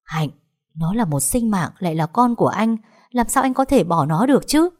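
A woman reading a quiet guilty husband. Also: lively intonation, moderate pace, natural voice. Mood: hushed. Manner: low, hushed, pleading.

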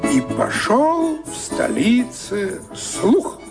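High, swooping tale-teller. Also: male voice, big pitch swings, very slow, creaky, loud music behind the voice, exaggerated voice. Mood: wondering. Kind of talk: verse radio play narration.

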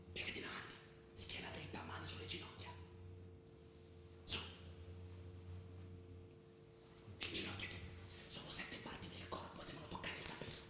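Frank Muslim guide in echoing hall. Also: male voice, pushed and bright, full character voice. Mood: guiding. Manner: frank, instructive. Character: pragmatic, guiding Muslim believer, frank and friendly. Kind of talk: theatrical radio drama dialogue. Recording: very echoey stage, faint rumbling noise.

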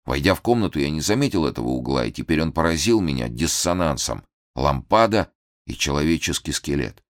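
A man reading a novel aloud as an expressive audiobook narrator. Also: extremely low pitch, fairly quick, dry recording, clean studio sound. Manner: expressive storytelling. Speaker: audiobook reader. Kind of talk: scripted narration.

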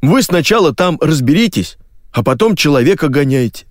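A man's voice: on the high side, big pitch swings, normal speed, dry recording, studio quality, voice pushed up. A man voicing a phlegmatic male prop worker who speaks in a melancholic, matter-of-fact way. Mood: grumbling.

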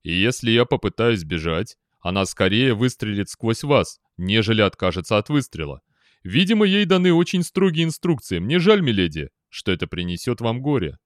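A man doing a quiet, calm robot gentleman. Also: fairly low pitch, moderate pace, dry recording, clean studio sound. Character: calm, loyal male humanlike robot.

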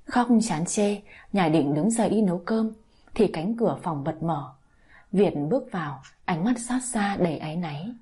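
A woman narrating a scripted story in a calm, even storytelling manner. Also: lowish voice, normal speed, slightly rough.

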